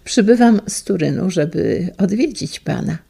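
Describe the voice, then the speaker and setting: A woman voicing a warm, eager middle-aged man greeting his old teacher with heartfelt feeling. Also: lowish voice, expressive, moderate pace, gravelly, slightly rough, heavily acted. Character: grown son, warm and eager, a former pupil.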